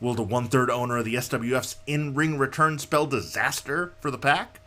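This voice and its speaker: A man with a medium pitch talks fairly quickly while noticeable background noise carries on. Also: ordinary pitch variation. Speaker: wrestling ring announcer. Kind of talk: sports event preview to camera. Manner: upbeat, hyped.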